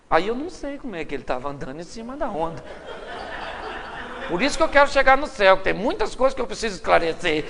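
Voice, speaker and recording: A man's voice: sits high, bright, forceful tone, slight background noise. A man with a Brazilian accent preaching a humorous sermon, telling a story in a playful, joking way. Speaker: pastor. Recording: reverberant live hall recording.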